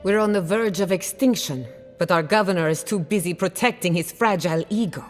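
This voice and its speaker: An actress playing a proud, sharp-tongued outcast woman scholar in dramatic video game dialogue, articulate, assertive and wry. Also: on the low side, a little fast, soft background music, lightly acted. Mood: irritated.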